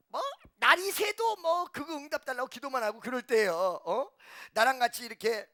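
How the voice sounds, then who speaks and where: A man preaches in a church, his voice high and gravelly with a bright, sharp edge. He tells stories and plays out the dialogue in them, swinging between hushed asides and sudden shouts. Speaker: pastor. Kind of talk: sermon with storytelling.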